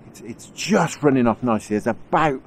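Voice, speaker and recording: A man's voice: medium pitch, lively intonation, a little fast, a little mellow. A man with a cold, sounding nasal and bunged up, chatting casually outdoors on a riverbank as he films his own fishing trip, rambling and chuckling as he goes. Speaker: angling vlogger. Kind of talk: casual on-the-spot commentary. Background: faint wind noise.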